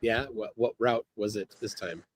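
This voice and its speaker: A man hosting a casual livestream, reading chat aloud in a halting, laid-back way, speaking outdoors by the water. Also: lowish voice, breathy edge, dry recording. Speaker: livestream host.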